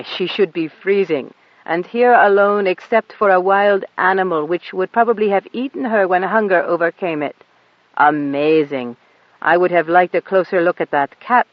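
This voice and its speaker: An audiobook narrator voicing an elderly white-haired man, measured, curious and fatherly. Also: medium pitch, no room sound, dull audio, close to an everyday voice.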